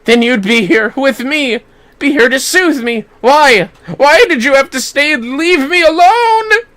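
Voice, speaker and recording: A man's voice: very high-pitched, expressive, measured pace, a bit bright, pitched above the performer's own voice, exaggerated voice. A performer voicing a traumatized male refugee in a fantasy game, terrified and pleading in a breathless ramble. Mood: hysterical, pleading.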